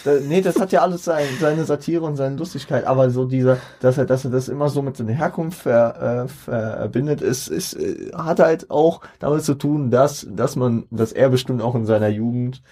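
A young man co-hosts a loose podcast conversation, circling his points with frequent restarts and fillers. His voice has a dark, mellow tone. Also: mid-range voice, normal speed, hardly any pauses. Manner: rambling, many restarts and fillers. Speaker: podcast co-host. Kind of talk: casual chat about rap.

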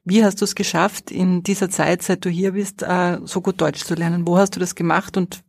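An interviewer with a gravelly, fry-tinged voice, recorded dry and close. The questions come at a measured, thoughtful pace and are framed carefully. There is no room echo. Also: mid-range voice, little pitch movement. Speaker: podcast interviewer.

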